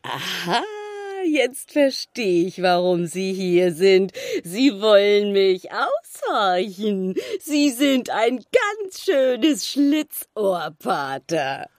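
An actress playing a chatty, ageing village shopkeeper in a radio play, homely, teasing and confiding. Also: female voice, mid-range voice, very animated, extremely slow, no echo, clean studio sound. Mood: gossipy, confiding. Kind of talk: German radio play acting.

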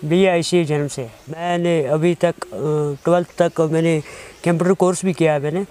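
A young man with a Kashmiri accent answering interview questions earnestly, in halting, repetitive phrases. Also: fairly high pitch, fairly even intonation, dark tone. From Kashmir, India. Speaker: interviewee, mobile phone mechanic. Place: outdoors on a lawn beside a wooden house.

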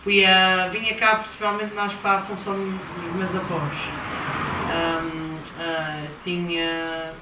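A woman in her thirties from Canada, answering interview questions with eager, halting replies in a living room. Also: lowish voice, flat delivery. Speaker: interview guest. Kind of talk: casual TV interview. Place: living room of a house, indoors. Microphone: handheld microphone held by interviewer. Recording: roomy, distant, faint background noise.

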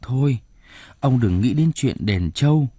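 A kindly old village farmer speaks calmly and forgivingly, voiced by a man. The tone is warm and husky. It sounds close and dry. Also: medium pitch, a little slow, no echo. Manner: calm, forgiving.

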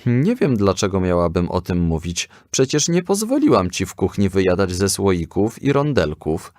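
A man voicing a calm, firm, moralizing mother in a children's story. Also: deep voice, moderate pace, no room sound.

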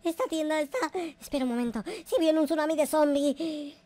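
A man doing a high-pitched panicky noob boy. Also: fairly even intonation, a little fast, warm tone, dry recording. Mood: worried, muttering. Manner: exclamatory, whiny, repeats words frantically. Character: panicky naive noob boy in a zombie apocalypse. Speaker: gameplay video creator. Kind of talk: improvised Minecraft roleplay commentary.

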